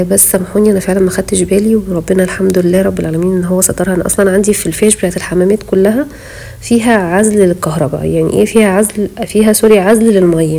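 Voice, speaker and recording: Egyptian woman vlogger, breathless and chatty, mellow gravelly tone. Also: mid-range voice, low-quality recording. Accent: Egyptian Arabic. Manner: chatty, pious, talks straight to viewers. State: short of breath while talking. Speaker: home vlogger. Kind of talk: casual voice-over chat. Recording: voice-over.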